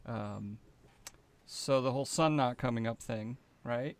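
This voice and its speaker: A man playing a flippant, skeptical investigator with a casual, halting, sardonic manner in a tabletop game. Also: mid-range voice, dry recording, close to an everyday voice.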